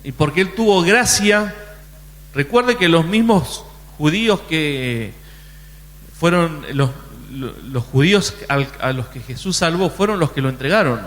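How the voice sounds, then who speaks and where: A man's voice: a little high, animated, a little slow, a bit bright, big-room sound. A man preaching a sermon in a conversational way, often restarting his sentences. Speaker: pastor.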